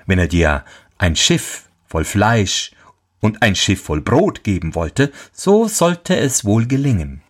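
A man's voice: on the low side, sing-song, slow pace, exaggerated voice. A man voicing a wise talking white horse. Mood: advising.

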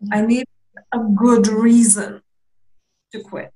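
A woman's voice: on the high side, level tone, takes it slowly, dark tone. A young woman from Lithuania, a guest in a candid interview, talking reflectively with hesitant restarts and small laughs.

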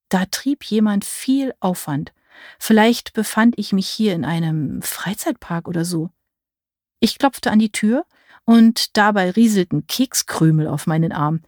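A woman reading a dark fairy-tale story in first person, measured and vivid. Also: on the low side, dry recording, studio quality. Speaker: audiobook narrator. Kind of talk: scripted first-person narration.

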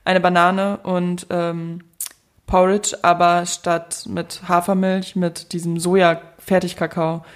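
A young woman, co-hosting a podcast, chatting casually and relaxed with many fillers. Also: on the low side, slow. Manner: relaxed, colloquial, lots of fillers. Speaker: podcast co-host. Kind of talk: casual chat.

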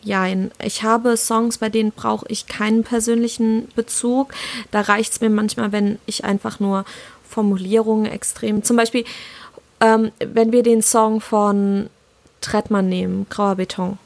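A young adult woman from southwestern Germany, co-hosting a podcast in casual chat, reflective and often halting as she searches for words. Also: mid-range voice, flat delivery, vocal fry, a little mellow. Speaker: podcast co-host.

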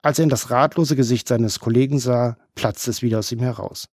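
A man reads a crime novel aloud in a measured, even way. His pitch sits in the middle range for a man. The sound is close and dry, with no room around it. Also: dry recording. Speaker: audiobook narrator. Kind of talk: scripted crime-novel narration.

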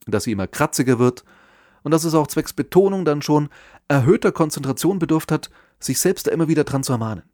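A man giving scripted advice on public speaking, in a measured, explanatory way with lively emphasis. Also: on the high side, dry recording, clean studio sound. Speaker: podcast host and speaking coach.

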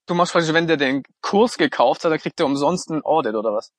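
A man in his thirties with a light Swabian accent talks loosely in a podcast chat, full of fillers. His voice is a little husky and sounds dry and close, with no room around it. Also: fairly high pitch, fast, no echo. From Stuttgart, Germany. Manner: relaxed, chatty, many fillers. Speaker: podcast co-host, online marketing consultant.

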